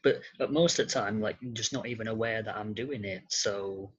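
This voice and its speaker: A young British man answering interview questions casually, in a hesitant, halting way with repeated starts. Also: fairly low pitch, slightly rough, muffled recording. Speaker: interview guest.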